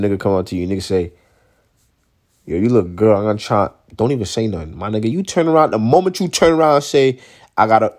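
A young man venting in a profane, mocking rant as a vlogger, voice leaping high when exasperated and full of slang. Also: a little mellow. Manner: slang-heavy, repetitive.

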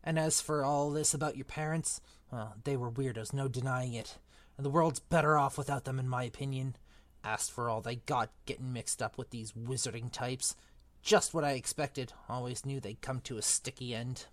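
A man's voice: medium pitch, steady tone, normal speed, no room sound, close to an everyday voice. A man voicing a stuffy, bullying middle-aged uncle who snarls his words with contempt. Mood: sneering.

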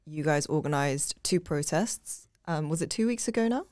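A young woman hosting a podcast interview in a casual way, with soft listening sounds while others talk. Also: low-pitched, lively intonation, normal speed, no room sound, studio quality. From England. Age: young adult. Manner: attentive, frequent soft backchannels. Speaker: podcast host.

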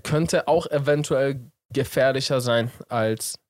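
A man's voice: mid-range voice, slow pace, dry recording, clean studio sound. A young man co-hosting a casual chat, playful and laughing often as he tries out silly intonations. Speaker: podcast co-host.

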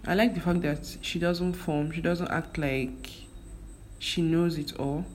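A woman's voice: sits low, steady tone, unhurried. A young Nigerian woman with a Nigerian accent, whose first language is Igbo, chatting casually on her vlog with lots of fillers and restarts. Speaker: vlogger. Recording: faint background noise.

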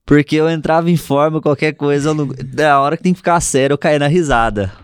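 Smooth-voiced male guest telling stories. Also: fairly high pitch, fast talker. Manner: relaxed, rambling storyteller. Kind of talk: casual chat.

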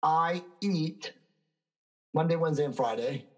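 A man's voice: on the high side, a little slow, low-quality recording. A man in his fifties, a fitness expert guest answering interview questions in an emphatic, self-assured, lecturing way. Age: 50s.

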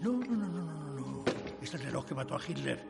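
A man's voice: a little high, sing-song, fairly quick, creaky, full character voice. An older man playing an eccentric, theatrical aristocrat who rambles, in a film dub. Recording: film soundtrack with music under.

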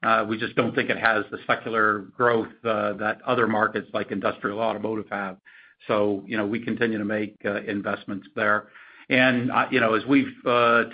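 A man speaking as a company executive answering analysts on an earnings call, in a halting, measured way. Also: lowish voice, husky. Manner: halting, hedged, measured delivery. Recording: muffled, lo-fi conference call audio.

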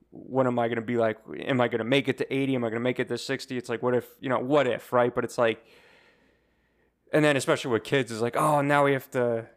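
A man chatting casually as a podcast co-host, halting and conversational as he thinks out loud. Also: medium pitch. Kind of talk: casual chat.

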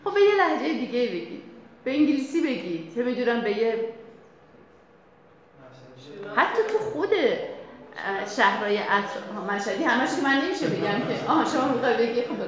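A woman psychologist leading a workshop, explaining in a lively, chatty way to the audience. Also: a little high, long pauses. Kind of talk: workshop lecture. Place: workshop room. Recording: very echoey room.

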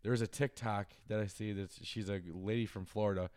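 Smooth-voiced joking man on a podcast. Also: on the low side, steady tone, brisk, darkish tone, dry recording, studio quality. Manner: jokey, playful sign-offs. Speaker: podcast co-host. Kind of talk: casual chat.

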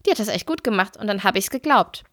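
A woman co-hosting a podcast, telling stories in a casual, animated way and laughing often. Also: mid-range voice, fast talker, dry recording, clean studio sound. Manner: animated storytelling, acts out her sisters' voices. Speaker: podcast co-host.

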